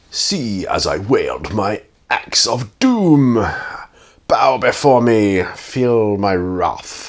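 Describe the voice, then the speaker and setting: A man's put-on character voice at a medium pitch and a very slow pace. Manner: silly, dramatic.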